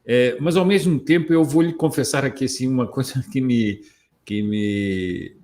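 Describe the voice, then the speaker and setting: A man from Portugal hosting a conversation, speaking in a mid-range voice. His delivery is measured and reflective, with a soft laugh now and then. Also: medium pitch. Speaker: host. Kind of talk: conversational discussion.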